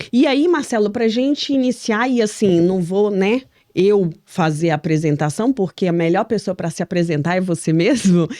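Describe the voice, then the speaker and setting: At a moderate pace, a woman speaks in a dark, mellow tone with lively intonation. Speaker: podcast host. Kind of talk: interview podcast.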